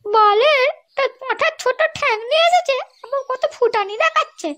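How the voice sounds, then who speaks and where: A performer voicing a sharp-tongued young wife in a comedy cartoon, crude and taunting, with a West Bengal accent and a pitched-up voice. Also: lively intonation, moderate pace, full character voice. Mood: irritated. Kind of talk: amateur comedy cartoon dialogue.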